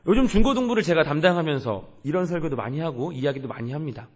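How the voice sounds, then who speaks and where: A man's voice: a little high, expressive, fast, darkish tone. A young man, a youth pastor, preaching a sermon in an earnest way and asking the congregation questions.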